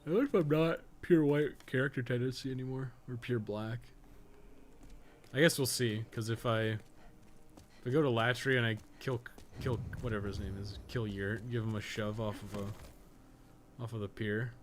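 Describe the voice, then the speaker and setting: A man's voice: mid-range voice, fairly even intonation, moderate pace. A man giving casual live gameplay commentary, thinking aloud in a rambling, sweary way with jokey asides. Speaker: video game streamer, podcast co-host. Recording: clearly noisy background.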